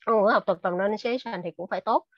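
Her pace is quick and her pitch medium as she earnestly advises people on a casual video call, where she is an invited speaker. She often restarts sentences and uses many fillers. No room sound comes through the dull, lo-fi call audio.

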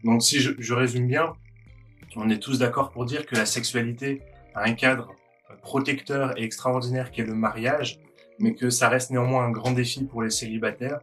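A man hosting a Christian video talk, encouraging viewers with many halting restarts. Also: medium pitch, steady tone, a bit bright, faint music behind. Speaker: host of Christian video channel.

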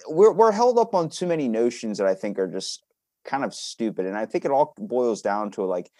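A man's voice: medium pitch, moderate pace, dry recording, clean studio sound. A man chatting casually on a podcast, blunt and sweary, acting out quotes as he tells stories. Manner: profane, blunt, animated storytelling with acted-out quotes.

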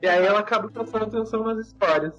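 A man telling a story in casual podcast chat, animated and expressive, repeating words for emphasis. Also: high-pitched, rapid-fire, dull audio, soft background music.

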